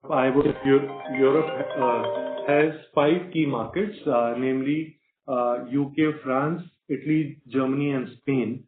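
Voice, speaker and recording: A man answering questions as a company executive in a halting, measured corporate manner. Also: on the high side. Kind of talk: earnings call answers. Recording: roomy, band-limited conference phone line.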